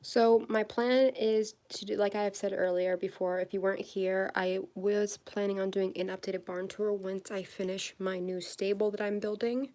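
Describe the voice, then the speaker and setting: Crafting at her desk indoors, a nineteen-year-old woman chats through a vlog with a medium-pitched, darkish voice, fairly even intonation, and a moderate pace with hardly any pauses. Her talk rambles, full of giggles and fillers.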